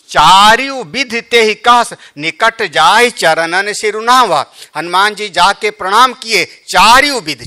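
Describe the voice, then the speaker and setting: A male Hindu spiritual teacher giving a devotional story sermon, his voice high and strikingly bright. He talks slowly and conversationally, breaking off to joke with his listeners. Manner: chatty, joking asides to listeners. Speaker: Hindu spiritual leader telling scripture.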